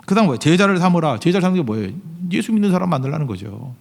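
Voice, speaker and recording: A man's voice: on the high side, big pitch swings, racing, vocal fry, darkish tone. Emphatic male pastor in a reverberant hall. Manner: emphatic preaching with rhetorical questions to the congregation. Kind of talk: sermon. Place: large church sanctuary. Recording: long reverb of a church hall.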